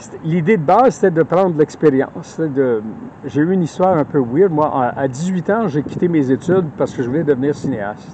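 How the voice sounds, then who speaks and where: A man with a Quebec accent speaks at a fairly high pitch and a fairly quick pace with lively intonation, over noticeable background noise. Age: 70s. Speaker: filmmaker. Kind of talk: interview. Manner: casual, with frequent hesitations and repetitions.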